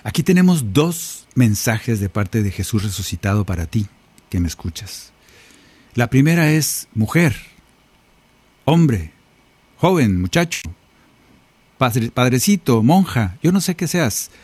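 A man's voice: mid-range voice, very animated, unhurried, long pauses, darkish tone, husky. A man hosting a Catholic prayer and reflection show, preaching in a colloquial way and repeating his phrases. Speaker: Catholic singer-songwriter host. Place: home recording studio.

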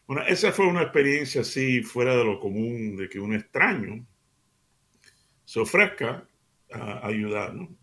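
A man's voice: medium pitch, lively intonation, a little slow. A middle-aged man hosting Christian radio, telling everyday stories in a chatty way and calling his listeners family. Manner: chatty anecdotal, addresses listeners warmly as family. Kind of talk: casual radio storytelling.

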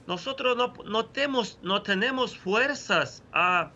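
A Ukrainian parish priest in his forties speaking Spanish as a second language with a Ukrainian accent, answering slowly with many pauses and fillers over a video call. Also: high voice, bright, forceful tone, lo-fi sound. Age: 40s. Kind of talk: remote interview answers.

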